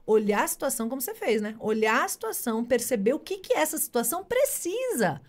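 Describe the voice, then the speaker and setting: A woman's voice: sits high, big pitch swings, fairly quick. A woman co-hosting a podcast, explaining parenting ideas in a reflective, casual way, often tagging her sentences with "né?". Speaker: podcast co-host, parenting educator.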